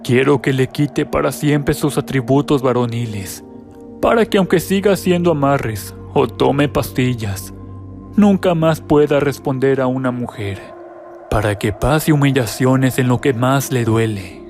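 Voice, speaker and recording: A man's voice: mid-range voice, measured pace, a little mellow, lightly acted. A vengeful middle-aged mother-in-law, decisive and sure of herself, in a storybook reading, voiced by a man. Faint music runs underneath. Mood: stern. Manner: firm, decisive.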